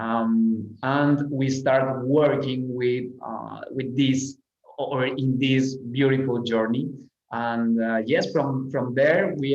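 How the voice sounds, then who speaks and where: In a room with audible echo, a man with a Spanish accent speaks at a very slow pace, medium in pitch and fairly even in intonation. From Colombia. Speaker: drone industry association co-founder. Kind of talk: live interview podcast.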